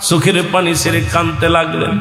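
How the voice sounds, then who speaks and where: A man's voice: a little high, monotone, fast, creaky, sharp tone, reverberant, long reverb tail. A man preaching a sung sermon, chanting the story and urging the crowd to call back. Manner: chanting, exhorting crowd to respond.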